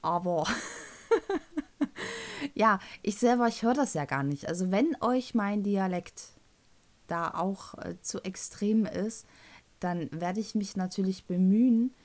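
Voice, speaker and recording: A woman's voice: medium pitch, darkish tone. A woman in her thirties with a Thuringian German accent, hosting her own podcast in a rambling, casual way with fillers and self-corrections. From North Rhine-Westphalia, Germany. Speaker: podcast host. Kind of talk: casual solo podcast talk.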